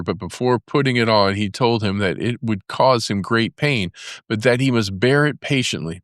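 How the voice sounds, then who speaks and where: Man, low voice, measured storybook narration, dry recording. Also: fairly bright tone, no room sound. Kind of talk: storybook narration of a fairy tale.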